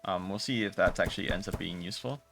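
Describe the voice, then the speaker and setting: A man's voice: low-pitched, quick pace, vocal fry, fairly bright tone. A man giving casual video game commentary, fumbling for words as he trails off and restarts his sentences. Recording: music playing behind the voice. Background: game music.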